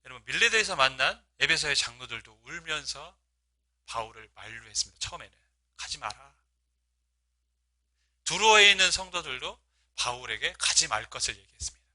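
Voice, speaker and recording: A man's voice: on the high side, lively intonation, fairly quick, sharp tone. A male pastor preaching a sermon, asking his congregation rhetorical questions and acting out quoted speech with feeling. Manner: voices quoted speech with rising emotional emphasis.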